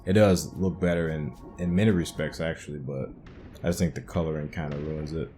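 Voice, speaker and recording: Male gaming host, low-pitched, informal, thinking aloud over faint background music. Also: fairly even intonation, brisk, dark tone. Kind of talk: casual game commentary.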